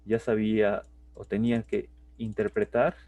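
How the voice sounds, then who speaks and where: Low, mellow-voiced male teacher lecturing. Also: little pitch movement, unhurried, dry recording, distant mic. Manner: explanatory, with frequent tag questions and restarts. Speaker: psychology teacher. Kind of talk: live online class lecture.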